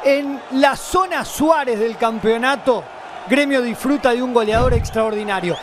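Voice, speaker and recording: Over noticeable background noise, a man with an extremely high pitch talks at a fairly slow pace with ordinary pitch variation. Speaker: football commentator. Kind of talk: live football color commentary.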